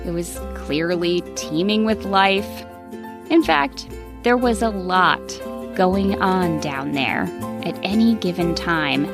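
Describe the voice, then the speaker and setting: A woman storyteller narrating a children's bedtime story expressively, in deliberate short phrases with dramatic pauses. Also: on the low side. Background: music.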